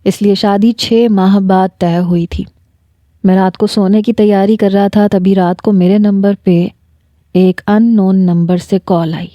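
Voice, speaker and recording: A woman's voice: mid-range voice, steady tone, no room sound, muffled recording. A woman with a Pakistani Urdu accent reads a first-person romance story aloud, voicing a young man and his fiancée in the same voice. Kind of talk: scripted narration.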